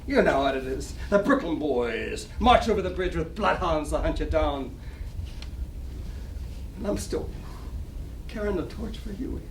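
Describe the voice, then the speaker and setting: A man's voice: on the high side, lively intonation, measured pace, long pauses. A man playing a boastful, down-on-his-luck small-time New York gambler in a play reading, with an American accent and slangy, wistful talk. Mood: defensive bravado, then bitter grief. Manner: slangy, wisecracking. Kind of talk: staged dramatic reading of a play. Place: library reading room. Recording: distant mic, echoey room, noisy.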